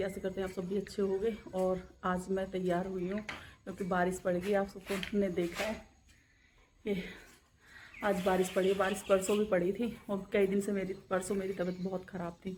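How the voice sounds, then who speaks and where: Somewhat breathy, a woman talks at a medium pitch with monotone, flat intonation. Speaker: vlogger. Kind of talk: casual vlog.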